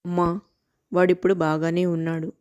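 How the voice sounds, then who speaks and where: A woman voicing a polite male friend of the husband, courteous and hurried. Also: lowish voice, flat delivery, a little mellow, clean tone, muffled recording, lightly acted. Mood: urgent.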